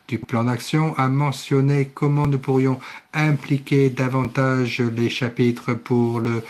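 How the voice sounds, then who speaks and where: A man interpreting a conference session live, speaking haltingly and often correcting himself. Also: medium pitch, little pitch movement, darkish tone. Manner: halting delivery with self-corrections. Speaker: simultaneous interpreter.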